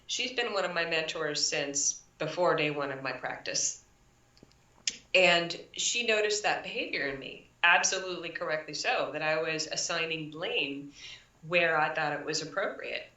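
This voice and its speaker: A woman's voice: low voice, moderate pace, sharp tone. Woman chiropractor, echoey distant call audio. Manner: emphatic, coaching tone with acted-out quotes. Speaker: chiropractor guest. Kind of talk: live online interview.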